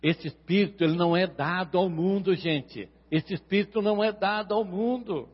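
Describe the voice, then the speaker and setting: A Brazilian man preaching in a church, his husky voice sitting fairly high and ringing through a long hall reverb. The recording is dull and lo-fi, and he swings between quiet questions to the congregation and loud, fervent exhortation. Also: moderate pace. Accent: Brazilian Portuguese. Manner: preaching, addressing congregation members by name, rising to loud prophetic passages. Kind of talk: sermon.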